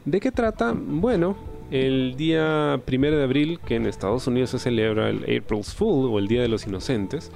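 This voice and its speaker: A man's voice: mid-range voice, normal speed, gravelly, a little mellow, soft background music. A man reviewing a graphic novel in a casual, reflective way, often tagging his points with questioning asides and a few hesitant fillers. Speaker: comic book reviewer.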